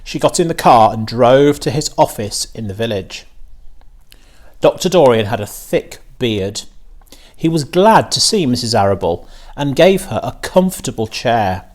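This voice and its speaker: Male storybook narrator: mid-pitched, slow and measured, with very varied intonation. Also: lively intonation. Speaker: story reader.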